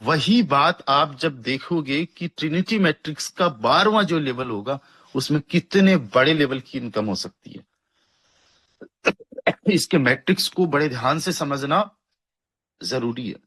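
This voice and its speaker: A young man giving a persuasive sales pitch for a network marketing plan, hyping earnings and repeating figures to his listeners. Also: expressive, unhurried, fairly bright tone, breathy edge.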